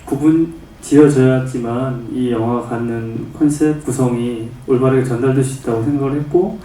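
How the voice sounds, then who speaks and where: An actor answering at a press conference in an earnest, measured way. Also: male voice, medium pitch, mellow. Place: cinema press conference hall. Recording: echoey hall from far off.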